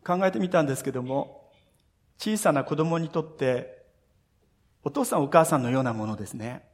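A man's voice: a little high, animated, normal speed. A male pastor giving a sermon, telling the story with earnest feeling and speaking straight to his listeners. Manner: earnest storytelling, speaks directly to listeners, voices scripture quotes. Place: church sanctuary. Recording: long reverb of a church hall.

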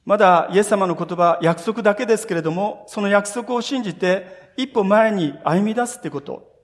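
A man's voice: high-pitched, normal speed. Earnest male pastor preaching in a reverberant hall. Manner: earnest storytelling, speaks directly to listeners, voices scripture quotes. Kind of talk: sermon. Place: church sanctuary. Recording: long reverb of a church hall.

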